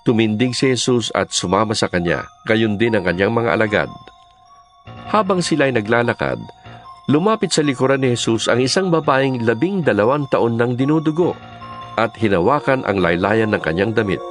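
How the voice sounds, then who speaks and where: A man's voice: medium pitch, big pitch swings, moderate pace, soft background music. A man narrating scripture as a scripted, dramatized storytelling reading.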